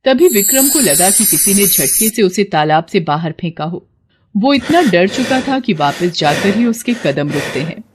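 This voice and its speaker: A woman tells a children's cartoon tale in scripted narration. Her delivery is expressive, with a lively, varied melody. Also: mid-range voice, moderate pace, background noise. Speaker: storyteller narrator.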